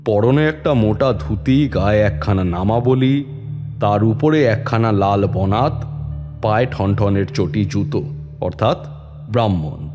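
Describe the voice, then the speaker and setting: An actor playing a calm, authoritative police inspector who narrates his own case in a dramatised detective story, measured and composed. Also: lowish voice, lightly acted. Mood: grave narrating. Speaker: story reader and lead actor. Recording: long reverb, music bed behind.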